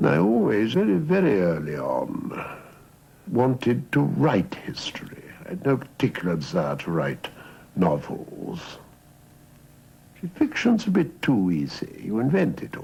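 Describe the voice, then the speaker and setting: His medium-pitched voice, with vocal fry, swings very widely in pitch as this man speaks with long, frequent pauses. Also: fairly slow pace. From England. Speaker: historian. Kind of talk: documentary interview.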